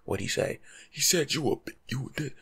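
A young American man giving rambling, slangy ASMR life advice in a hushed, breathy voice, playful and animated, close to the mic in a room at home. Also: medium pitch, brisk. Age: young adult. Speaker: ASMR video creator. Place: small indoor room at home.

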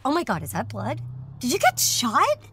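A woman's voice: high voice, huge pitch swings, moderate pace, a bit bright, slight background noise, exaggerated voice. An actress playing a brash, foul-mouthed young woman, blunt and urgent, in a naturalistic audio drama. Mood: alarmed, urgent.

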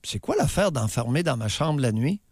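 A man's voice: medium pitch, big pitch swings, normal speed, slightly rough, no echo, studio quality. A Québécois man hosting a call-in radio show, blunt and sarcastic, firing probing questions at callers. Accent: Québécois French. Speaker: radio host.

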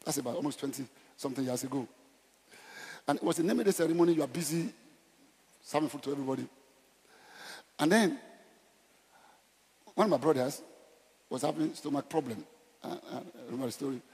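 A man's voice: a little high, fairly quick, pauses often, darkish tone, slightly rough. A middle-aged Nigerian man preaching an evangelistic sermon, emphatic and exhorting, in short repeated phrases with a conversational turn. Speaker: pastor. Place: large church auditorium, on stage. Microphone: headset. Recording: echoey church hall sound.

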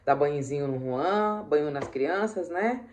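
Low-pitched and animated, with a measured pace and darkish tone, a mother narrates a casual vlog of her family's day. Moving from home to a hot street and park, she talks chattily to her "gente" and coos at her kids.

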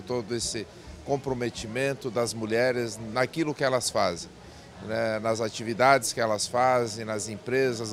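A man, president of a cooperative bank, speaking measuredly with restarts in an interview at an indoor event stand on a handheld mic. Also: mid-range voice. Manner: measured, repeats and restarts phrases.

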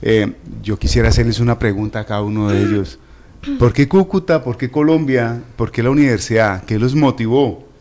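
A man's voice: medium pitch, fairly quick, a little mellow. A man speaking as a panelist and interviewer in an unscripted discussion.

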